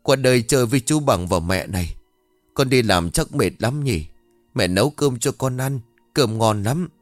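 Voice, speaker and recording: A man's voice: medium pitch, animated, normal speed, no room sound, soft background music, natural voice. A man reading the lines of a grieving middle-aged mother who has lost touch with reality, in a sing-song, doting way, in a spoken ghost story. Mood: eerily cheerful. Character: grieving middle-aged woman, eerily cheerful, unhinged.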